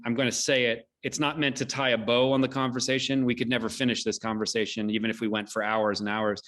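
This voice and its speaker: A man hosting an online event, giving measured, solemn closing remarks with deliberate rhetorical repetition. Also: medium pitch, a bit bright. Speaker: host, theater company director. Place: indoors, online video call.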